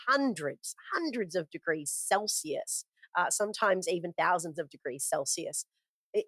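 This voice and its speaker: Female podcast host, low-ish voice, dry booth, chatty and unscripted. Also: a bit bright, no echo. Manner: conversational, with frequent fillers and self-corrections. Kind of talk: casual spoken market commentary from notes.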